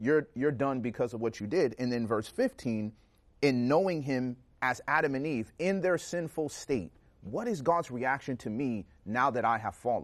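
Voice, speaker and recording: Against a quiet background, a man speaks in an ordinary speaking voice at medium pitch. His pace is moderate, with ordinary pitch variation. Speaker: co-host, panelist. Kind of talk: prayer and Bible discussion.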